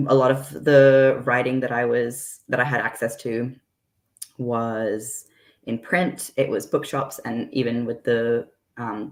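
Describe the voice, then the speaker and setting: A woman's voice: rumbling low, echoey room. A young woman who grew up in the United Arab Emirates, hosting a conversational panel interview and affirming her guest often. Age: young adult. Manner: friendly, affirming, lots of "mm-hmm". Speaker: interview host.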